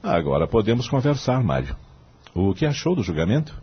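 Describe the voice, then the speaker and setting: A man playing a principled, mature judge and mentor in an audiobook drama, speaking formally with oratorical, measured emphasis. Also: fairly low pitch, very animated, breathy edge, full character voice. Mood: calm, didactic. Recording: dull lo-fi sound, faint music behind.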